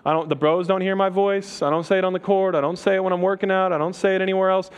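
A young man preaching a sermon in a relaxed, conversational way, with quick asides and slang. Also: sits high, clear, resonant tone. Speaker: pastor.

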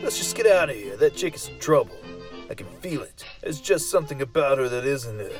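A man's voice: mid-range voice, big pitch swings, fairly quick, lightly acted. Man doing a irritable young guy in a horror story, swings around a lot, music underneath. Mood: wary, annoyed. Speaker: story reader. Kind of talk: dramatic first-person horror narration.

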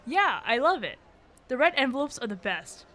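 A woman's voice: sits high, sing-song, normal speed, a bit bright. A young woman playing an earnest young woman who keeps questioning where she belongs, in an amateur audio drama. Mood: chatty. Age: young adult. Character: young mixed-race woman, searching and earnest.

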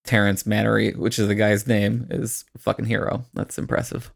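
A man hosting a podcast in casual, reflective talk, choosing his words tentatively in a creaky voice. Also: lowish voice, level tone, normal speed. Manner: thoughtful, tentative phrasing. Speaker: podcast host.

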